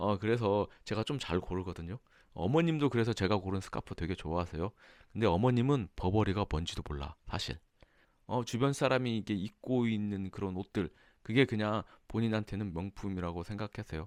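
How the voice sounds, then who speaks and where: A plain, everyday voice moves at a fairly quick pace with ordinary pitch variation, in a dry, close sound with no echo and a quiet background. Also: man, fairly low pitch for a man. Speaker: vlogger, office worker in Japan. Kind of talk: casual vlog monologue.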